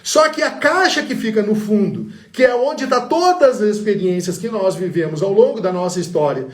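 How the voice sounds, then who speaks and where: A man with a Brazilian Portuguese accent teaching public speaking in a motivational online lesson, telling stories animatedly and acting out the people he quotes. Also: high-pitched. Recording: roomy sound with music behind.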